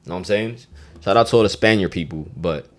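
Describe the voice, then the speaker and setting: Talking fast in a low voice, a young man of Dominican heritage hosts a podcast where he teaches Spanish in a loose, slang-heavy way. Curses and Spanish phrases pop up throughout.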